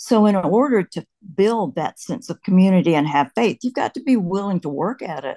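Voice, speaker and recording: Speaking in a Southern US accent, a woman uses very wide pitch swings at a moderate pace. Her tone is dark and mellow, and the sound is dry and close with no echo. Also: medium pitch for a woman. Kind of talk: casual chat.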